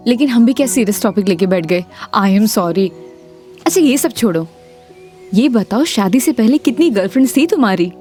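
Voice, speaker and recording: Woman playing a chatty playful madam, nosy questions, bit high voice. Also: lively intonation, normal speed, dark tone, soft background music, close to an everyday voice.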